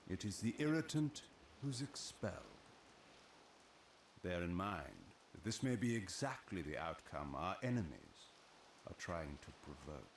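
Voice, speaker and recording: An actor playing a scheming ancient vampire lord in a video game, with a grave, deliberate, theatrical delivery. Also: male voice, low voice, very animated, roomy sound, slight background noise, full character voice. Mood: solemn, ominous. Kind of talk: dramatic video game voice acting.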